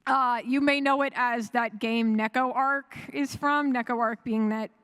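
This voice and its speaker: Chatty, higher-pitched woman giving a fan talk. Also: fairly even intonation, measured pace, fairly bright tone, clear, resonant tone. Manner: chatty and rambling, with frequent self-corrections and chuckles. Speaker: convention panelist. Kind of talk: casual, enthusiastic fan panel talk. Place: live panel room at a fan convention.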